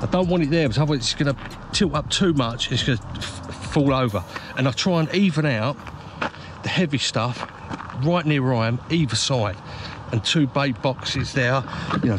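A man talks straight into a handheld camera held at arm's length out in the open, loose and chatty, often stopping to restart a phrase as he explains his kit. His voice sits at an ordinary middle pitch, and steady outdoor background noise runs clearly under the recording. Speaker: fishing vlogger. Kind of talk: casual vlog talk to camera. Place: outdoors at a lakeside car park by a van. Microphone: handheld action camera at arm's length.

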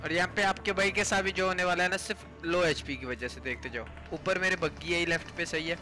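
A man's voice: high voice, brisk, bright, forceful tone. A man giving casual gameplay commentary in a voice-over. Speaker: gaming video creator. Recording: music bed under voice. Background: background music.

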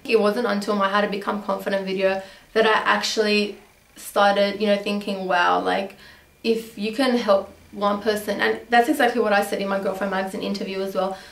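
A woman's voice: medium pitch, level tone, brisk, vocal fry, fairly bright tone, roomy sound, rough recording. A young woman from Australia whose first language is Armenian, chatting casually in a beauty vlog Q&A, rambling with lots of ums and restarts. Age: young adult. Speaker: beauty vlogger. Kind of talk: casual Q&A chat. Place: small bedroom indoors.

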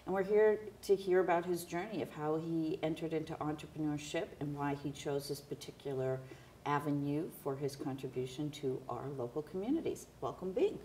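An older woman hosts a local studio interview show, introducing her guest with praise before asking her questions. Her voice sits low for a woman, with a faint hiss under the studio sound. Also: moderate pace. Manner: warm, complimentary introductions. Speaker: TV interview host. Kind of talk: interview hosting. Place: small TV studio, seated at a table.

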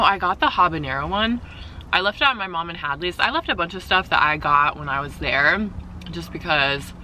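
A woman's voice: deep voice, bright, forceful tone, a little hiss or hum, rough recording. A woman in her thirties vlogging from inside a parked car, chatting effusively about her food and cooing at her cat. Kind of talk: casual food-tasting vlog chat. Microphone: camera mounted on the dashboard.

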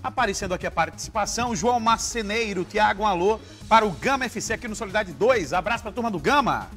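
Upbeat high-voiced Brazilian TV sports host. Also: male voice, animated, fast talker, a bit bright, faint music behind. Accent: Brazilian Portuguese. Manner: upbeat, reads viewer messages aloud. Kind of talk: live TV sports talk. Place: TV studio.

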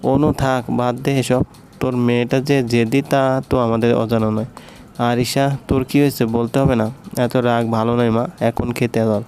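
A man's voice: medium pitch, flat delivery, moderate pace, faint music behind, close to an everyday voice. A man voicing a doting middle-aged aunt. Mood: coaxing. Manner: coaxing, gently chiding.

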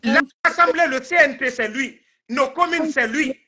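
A man's voice: very high-pitched, normal speed, pushed and bright. A man in his thirties with a Guinean accent, talking politics on a live stream in an emphatic, indignant, repetitive way. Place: indoor room, video call.

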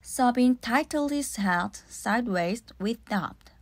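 A woman's voice: fairly high pitch, lively intonation, slow, dry recording. A woman reading scripted narration for a children's audiobook. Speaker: storybook narrator.

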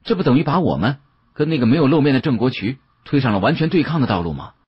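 A man acting an exasperated appraiser, very husky voice. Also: mid-range voice, expressive, quick pace, no room sound, dull audio, voice pushed up. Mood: annoyed. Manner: blunt, questioning, reproachful. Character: earnest male antique appraiser, exasperated and scolding.

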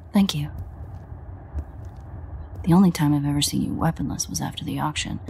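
A woman playing a sardonic, exasperated vampire in an audio roleplay, grumbling and swearing in a husky near-whisper. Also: low-pitched, darkish tone, slight background noise. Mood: wry. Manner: sarcastic, profane, grumbling. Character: sardonic, exasperated female vampire, reluctant ally. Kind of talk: audio roleplay addressed to the listener.

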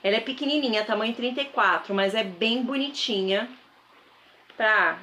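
Bright and forceful, her fairly high voice moves at normal speed as she chats enthusiastically with viewers. She's a thrift vlogger in her thirties with a Brazilian Portuguese accent, filming a casual haul vlog on a close camera mic in an indoor bedroom with a wardrobe. There's slight background noise.

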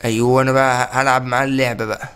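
Fast-talking Egyptian gamer man. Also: mid-range voice, little pitch movement, fairly bright tone, smooth. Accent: Egyptian Arabic. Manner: playful, teasing, laughs often. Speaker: gaming channel host. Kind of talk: excited gameplay commentary.

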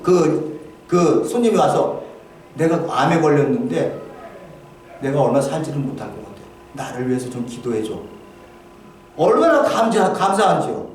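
Male pastor with a high voice, delivering a heartfelt testimony sermon full of restarts, picked up from afar in a booming, echoing church. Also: darkish tone. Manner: halting, emotional storytelling with many restarts. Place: church sanctuary. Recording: very echoey hall, voice from far off.

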